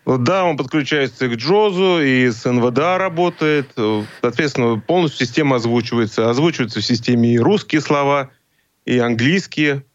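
A man explains software as an interview guest in a mid-range voice. He speaks haltingly, searching for the right words. The audio is very dry and a little lo-fi. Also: mid-range voice, no echo. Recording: dry, slightly dull lo-fi audio.

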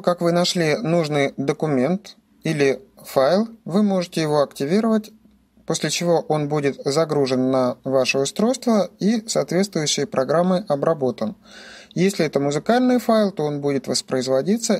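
A man's voice: fairly high pitch, a little mellow. A man giving scripted instructional narration as a tutorial presenter, explaining things methodically, step by step.

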